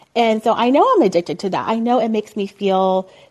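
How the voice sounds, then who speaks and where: With an American accent, a woman talks at a fairly quick pace in a fairly high pitch with ordinary pitch variation. Hers is an unremarkable speaking voice, heard in a dry, close sound with no echo. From Texas. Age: 40s. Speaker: travel planner. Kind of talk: casual chat.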